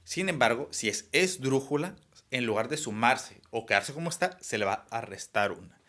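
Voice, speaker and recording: A man's voice: mid-range voice, lively intonation, moderate pace, bright, forceful tone. A young man explaining a lesson, with frequent fillers and restarts. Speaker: teacher. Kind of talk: online class lecture.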